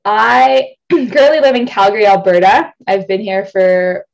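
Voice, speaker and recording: A young athlete from Ontario, Canada, joins a casual video-call interview as a guest, chatty and self-deprecating, laughing often and rambling. Her medium-pitched voice has vocal fry and fairly even intonation, and she speaks unhurriedly. The recording is low quality.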